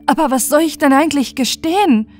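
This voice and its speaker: A woman's voice: medium pitch, normal speed, darkish tone, faint music behind, lightly acted. A woman voicing a wailing old servant. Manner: wailing, protesting. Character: old male servant, pleading and frightened.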